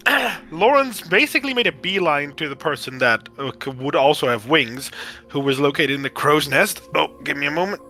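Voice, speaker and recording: A man with a shredded, hoarse voice giving a halting recap of a tabletop game session, with frequent fillers and throat clearing. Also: a little high, expressive, bright, forceful tone, soft background music.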